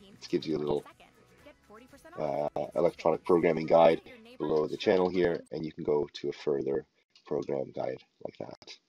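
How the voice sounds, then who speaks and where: A man with a low-pitched voice talks through a screen-recorded tutorial. He sounds unscripted and instructional, laying out each step deliberately as he goes. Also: fairly even intonation, dark tone, muffled recording, soft background music. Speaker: tutorial presenter. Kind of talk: unscripted step-by-step software walkthrough.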